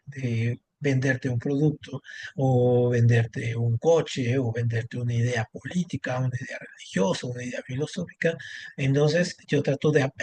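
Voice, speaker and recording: A man's voice: medium pitch, darkish tone, no echo. Man teaching a class. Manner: explanatory, frequent "¿no?" and "este" fillers. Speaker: Spanish language teacher. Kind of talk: online class lecture.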